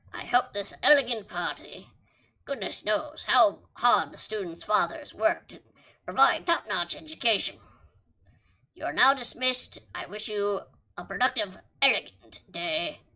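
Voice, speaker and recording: The speaker uses a put-on character voice at a moderate pace. Long pauses come often. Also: female-sounding voice, fairly high pitch for a woman. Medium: read story. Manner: formal, authoritative.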